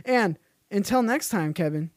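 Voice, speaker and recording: A man's voice: high voice, lively intonation, unhurried, no echo, studio quality. A man hosting a podcast, chatting casually, joking and laughing often, swearing now and then. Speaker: podcast host. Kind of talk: casual chat.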